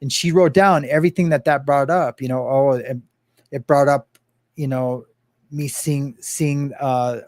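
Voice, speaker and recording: A man speaking as an interview guest in casual talk, earnest and open, halting with many fillers and restarts. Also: mid-range voice, steady tone, a little mellow, no echo, studio quality. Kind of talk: casual interview talk about personal experience.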